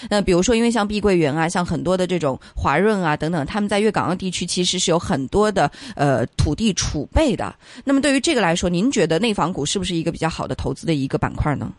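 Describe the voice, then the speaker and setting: A woman's voice: fairly low pitch, animated, fast, hardly any pauses, no echo. A woman hosting a finance interview, putting questions politely with long, wordy lead-ins. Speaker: interviewer, host.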